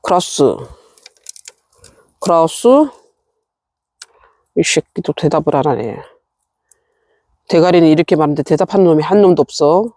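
A woman's voice: low-pitched, a little fast, long pauses, warm tone, no room sound, clean studio sound. A middle-aged woman in a casual vlog, chatting to her succulents and scolding herself as she tends them at her rural home. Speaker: succulent-growing vlogger. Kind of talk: casual chat while tending plants.

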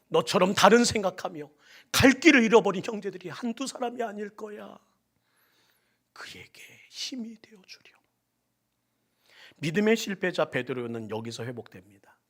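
Male pastor, church sermon, lively swooping pitch, bright voice, whispers and shouts. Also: fairly quick. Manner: swings from soft whispers to loud shouted preaching. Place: church sanctuary.

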